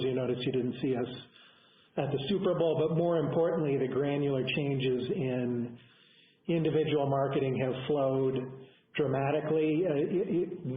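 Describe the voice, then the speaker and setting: A man, a company executive, giving a semi-scripted business briefing to investors in a halting way, often correcting himself mid-phrase. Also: medium pitch. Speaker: company executive on an earnings call. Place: conference call over phone. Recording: echoey, band-limited conference phone line.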